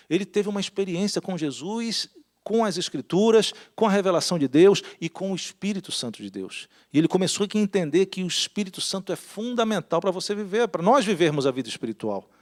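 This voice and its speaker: A man preaching a sermon in a church, talking with the congregation and putting questions to them. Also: a little high. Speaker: pastor. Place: church hall.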